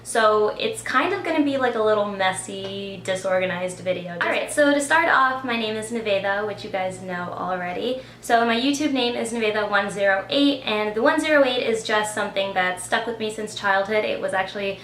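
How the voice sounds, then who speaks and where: A woman's voice: medium pitch, animated, brisk, hardly any pauses, a bit bright. A woman in her twenties chatting casually to camera in a get-to-know-me vlog, with frequent "like" fillers. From Australia. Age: 20s. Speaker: vlogger. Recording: echoey room with faint ambient noise.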